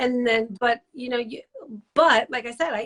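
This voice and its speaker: Someone with a New Jersey accent talks at a moderate pace in a dry, close sound with no echo. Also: woman. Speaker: network marketer. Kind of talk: casual chat. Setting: live stream.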